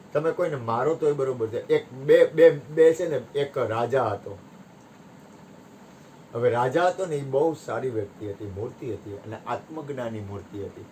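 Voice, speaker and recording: A man giving a satsang discourse, telling parables with sharp rises and drops in his voice. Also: medium pitch, slight background noise. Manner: animated storytelling, voice rising and dropping sharply. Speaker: spiritual teacher.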